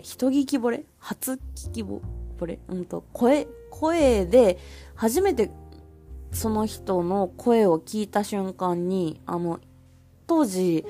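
A woman with a mellow, medium-pitched voice hosts her own podcast, talking solo in a chatty, casual way that rambles with plenty of fillers.

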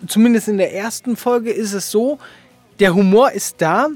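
High-voiced man hosting a casual podcast. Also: moderate pace, darkish tone, no echo, soft background music. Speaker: podcast host. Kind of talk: casual interview chat.

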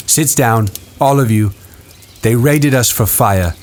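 A man's voice: mid-range voice, takes it slowly, pitched above the performer's own voice, lightly acted. A man voicing an earnest young boy who leads the group, groping for words as he speaks.

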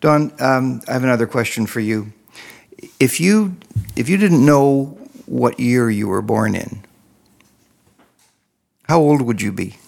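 Gravelly-voiced male podcast host. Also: medium pitch, animated, measured pace, pauses often, darkish tone. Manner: encouraging, frequent affirmations. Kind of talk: interview hosting.

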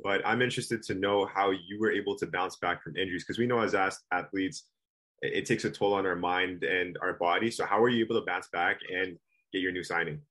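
A man's voice: low-pitched, fairly even intonation, a little fast, sharp tone, rough recording. A man from the Toronto area hosting a podcast, asking friendly, conversational questions. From Greater Toronto Area, Canada. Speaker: podcast host. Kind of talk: casual interview hosting.

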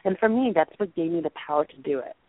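A hoarse woman co-hosting a motivational call-in show, losing her voice from a chest cold and telling a personal story candidly. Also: deep voice, animated, fast talker, dry recording. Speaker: co-host. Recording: dry tinny phone line.

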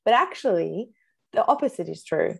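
A mother, answering interview questions in an earnest, animated way with frequent "like"s. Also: medium pitch, moderate pace, gravelly, breathy edge. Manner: earnest, animated storyteller, says "like" often. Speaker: guest, mother.

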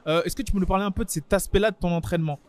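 A man's voice: high-pitched, rapid-fire. A man interviewing a fighter, asking long, rambling questions in a casual tone.

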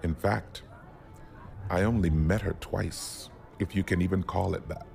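Weary-hearted admiral, low voice, very slow, self-deprecating, sci-fi audio drama. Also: male voice, steady tone, gravelly, a little mellow, exaggerated voice. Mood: bitter, ashamed. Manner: measured, bitterly self-deprecating. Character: self-doubting male admiral, career military bureaucrat. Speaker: actor in a science fiction audio drama. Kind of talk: dramatic acting.

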